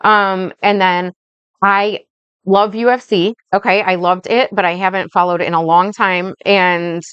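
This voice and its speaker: A woman life coach rambling through a casual vlog monologue, slow and blunt, swearing freely and checking in with "right?" and "okay?". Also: medium pitch, fairly even intonation, fairly bright tone, clear, resonant tone, dry recording, dull audio. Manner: speaks slowly.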